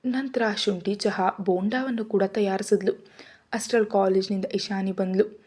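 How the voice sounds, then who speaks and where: Female narrator for a family story; steady, even, mellow. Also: mid-range voice, moderate pace. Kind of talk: scripted narration.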